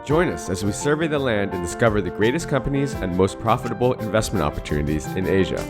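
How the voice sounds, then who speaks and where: A man's voice: on the low side, animated, quick pace, loud music behind the voice. A man hosting a podcast, reading a polished intro and then asking questions with some fillers. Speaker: podcast host. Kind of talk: scripted intro, then casual interview questions.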